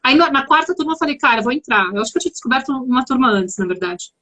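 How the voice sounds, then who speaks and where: A Brazilian woman with a São Paulo accent is a guest on a casual live stream, chatting reflectively with many restarts. Her high-pitched voice is expressive and sharp, and she races along.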